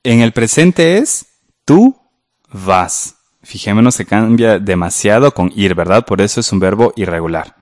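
A man with a Guatemalan Spanish accent teaches verb forms from a textbook, patient and clear, often checking in with rhetorical questions. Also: on the low side, expressive, unhurried, darkish tone, no room sound, clean studio sound. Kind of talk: textbook grammar lesson.

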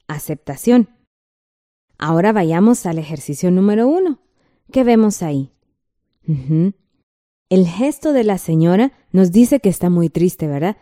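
A woman's voice: medium pitch, warm tone. A woman with a Guatemalan accent teaching a textbook lesson, patient and checking in often with the listener.

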